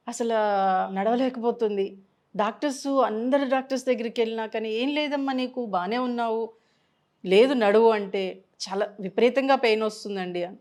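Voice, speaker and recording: A woman's voice: fairly high pitch, a little mellow. A woman counselor giving a health advice talk to camera, explaining through patient stories and mixing in English words.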